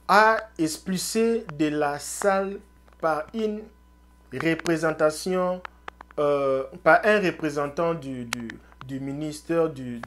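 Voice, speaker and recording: A man commenting on the news in a casual, halting way, with many hesitations and restarts. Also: fairly high pitch, slight background noise.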